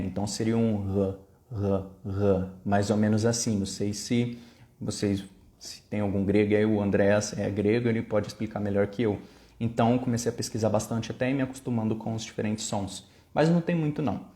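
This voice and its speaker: A man's voice: mid-range voice, dark tone. Brazilian male vlogger, Brazilian Portuguese accent, casual and explanatory, echoey room. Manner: chatty, explains step by step with examples. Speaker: language-learning vlogger.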